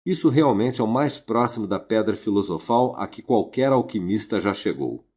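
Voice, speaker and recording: A man reading a self-help audiobook in a steady, earnest narration. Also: on the low side, moderate pace, husky.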